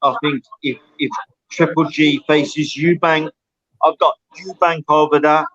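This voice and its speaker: A man calls in to a boxing talk show and gives his opinions bluntly, often saying the same point twice. His voice sits a little high. The line is dry and muffled. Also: fairly even intonation, a little slow, fairly bright tone, dry recording. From Welsh by parentage. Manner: blunt, repeats himself for emphasis. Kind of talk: casual boxing opinion chat.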